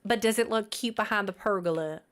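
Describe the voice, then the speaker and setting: A woman's voice: medium pitch, a little fast, a bit bright. A woman chatting casually on a live stream, giggly and talkative as she greets and answers her chat.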